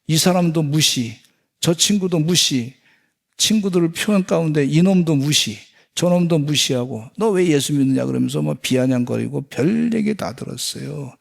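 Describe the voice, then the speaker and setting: Gravelly-voiced man preaching a sermon. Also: fairly high pitch, normal speed. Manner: animated preaching, acts out quoted voices. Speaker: pastor. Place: church sanctuary.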